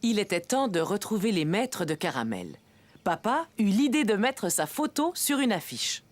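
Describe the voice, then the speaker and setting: A woman playing a gentle storyteller, narrating a children's cartoon over music. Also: medium pitch, very animated, normal speed. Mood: warm storytelling. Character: gentle storyteller narrating a young boy's adventures.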